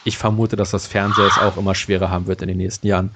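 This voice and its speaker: A man's voice: low voice, level tone, very fast, very noisy. A man in his late twenties co-hosting a podcast, chatting casually with lots of fillers and restarts. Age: late 20s. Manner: rambling, many fillers and restarts, laughs often. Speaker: podcast co-host. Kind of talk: casual chat.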